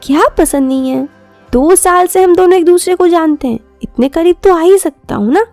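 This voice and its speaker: A woman's voice: extremely high pitch, moderate pace, a little mellow, dry recording, soft background music, pitched above the performer's own voice. A woman voicing a smitten young college man, a coaxing and insistent boyfriend in an audio story.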